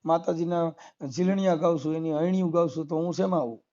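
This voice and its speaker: A man's voice: on the high side, fairly even intonation, fast talker, mellow. Insistent Gujarati man arguing, muffled phone recording. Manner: insistent, combative, repeats points with rhetorical questions. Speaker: debater on a phone call. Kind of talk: heated argument over the phone.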